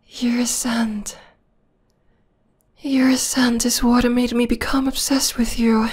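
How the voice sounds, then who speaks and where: Obsessive young female vampire played by a woman for ASMR roleplay: whispery, slow, tender yet menacing. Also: fairly high pitch, darkish tone. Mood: obsessed, adoring. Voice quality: breathy, whispery. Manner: intimate, slow, lingering delivery. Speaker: voice actor.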